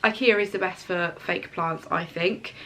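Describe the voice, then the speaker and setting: A woman's voice: lowish voice, fairly even intonation, unhurried, bright, forceful tone, slight background noise, poor audio. A woman, congested and stuffy-nosed, chatting in a bubbly, gushing way while sitting on her bedroom floor. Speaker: home and lifestyle vlogger. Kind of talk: casual chatty haul video.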